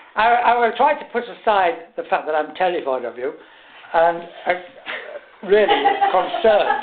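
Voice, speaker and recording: A man with an English accent, amid audible room echo and noticeable background noise. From England. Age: 70s. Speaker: lecturer. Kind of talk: lecture. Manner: halting.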